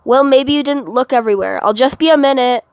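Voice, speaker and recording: A woman's voice: sits high, fairly quick, smooth, no room sound, studio quality, pitched above the performer's own voice. A woman voicing a fussy, anxious mother in a novel reading, insistent and projecting as she instructs her son. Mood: brisk, insistent. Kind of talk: acted dialogue in a novel reading.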